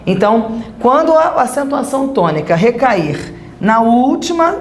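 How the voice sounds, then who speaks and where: A woman's voice: a little high, big pitch swings, a little slow, reverberant, a little hiss or hum. A woman with a Brazilian Portuguese accent, teaching a recorded grammar lesson and checking in with the class as she explains.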